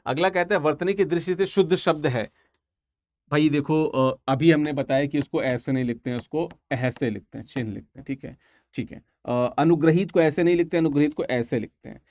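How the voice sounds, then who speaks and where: Man, exam-prep teacher, casual, repeats answers, slightly high voice, dry close sound. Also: a little fast, darkish tone, dry recording. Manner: repeats each answer several times, casual "dekho yaar" asides. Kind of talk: online exam-prep class.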